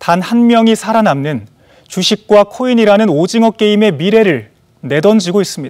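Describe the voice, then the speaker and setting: A man at a fairly slow pace, against a quiet background. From South Korea. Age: 20s. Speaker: political party youth aide. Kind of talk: televised political speech. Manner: formal. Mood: earnest, critical, measured. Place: studio.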